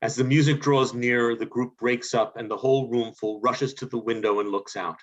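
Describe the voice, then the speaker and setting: Guy narrating stage directions for a play reading, average pitch, kinda muffled zoom sound. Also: steady tone, moderate pace. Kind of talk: scripted narration. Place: online video call reading. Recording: dull video call audio.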